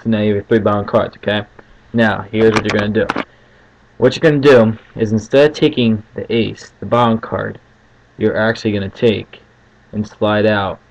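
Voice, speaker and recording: Guy doing laid-back card trick patter, gravelly and monotone, keeps checking in, muffled lo-fi mic. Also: on the low side, normal speed. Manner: checks in constantly with short tag questions. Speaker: card trick tutorial host. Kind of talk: casual card magician patter, demonstrating and explaining a trick step by step. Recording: muffled lo-fi home recording with faint noise.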